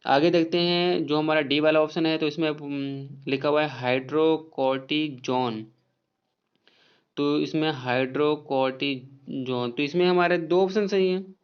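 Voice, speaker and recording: A man walks through exam spelling questions, spelling each word out slowly letter by letter and checking every option. His voice sits a little high and comes across smooth and clear. The recording is dull and lo-fi. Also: fairly even intonation. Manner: spells words out letter by letter, repeats "ठीक है". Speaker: exam prep teacher.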